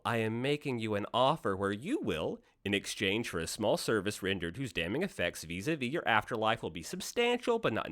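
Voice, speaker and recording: Guy doing a smooth talking devil for a radio play, wheedling salesman patter, cynical, voice swoops all over. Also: on the low side, pushed and bright. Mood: businesslike. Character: glib male Devil, slick smooth-talking deal-maker, teasing and cynical.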